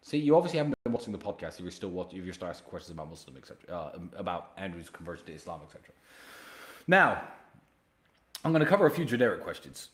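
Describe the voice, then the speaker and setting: Man with a lowish voice hosting a live Q&A. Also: sing-song, rapid-fire. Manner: emphatic, persuasive pitching; direct, addresses viewers by name. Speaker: livestream host answering viewer questions. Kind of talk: casual solo livestream Q&A.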